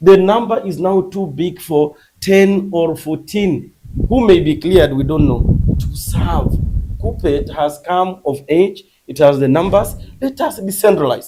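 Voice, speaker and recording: Loud and high-pitched, a man talks at a fairly slow pace with ordinary pitch variation. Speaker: union official and candidate. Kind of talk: live debate. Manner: animated.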